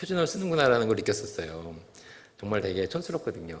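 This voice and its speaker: A man's pitch swings very widely as audible echo rings through the room. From Korea, northern Chungcheongbuk-do (Jecheon area). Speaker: pastor. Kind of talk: sermon. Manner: casual conversational.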